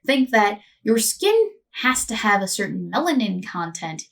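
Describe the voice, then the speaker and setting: A woman's voice: medium pitch, sing-song, unhurried, creaky, a bit bright, distant mic. A woman host narrating a scripted commentary video with a sardonic, mocking edge.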